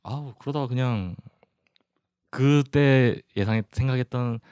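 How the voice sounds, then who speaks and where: A man in his thirties answering interview questions in a modest, soft-spoken way. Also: mid-range voice, unhurried, clean tone, no echo. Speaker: guest. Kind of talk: casual interview chat.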